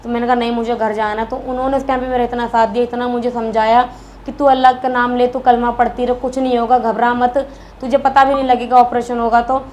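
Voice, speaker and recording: A woman recounts a hospital stay in casual vlog talk, matter-of-fact and plain. Her voice sits a little high but barely rises or falls, with faint ambient noise behind her. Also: level tone, brisk, darkish tone. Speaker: vlogger, wife. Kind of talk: casual storytelling chat.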